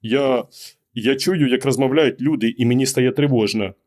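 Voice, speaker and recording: A man reading an audiobook, voicing a quiet, withdrawn husband who gives terse, hesitant, muttered answers. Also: medium pitch, normal speed, close to an everyday voice. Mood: evasive. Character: quiet, withdrawn middle-aged husband, evasive. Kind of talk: audiobook character voice.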